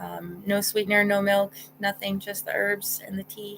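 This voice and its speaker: A woman talks in a monotone, flat intonation. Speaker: holistic healing channel host. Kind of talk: live stream chat. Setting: live stream. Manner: casual, many filler ums.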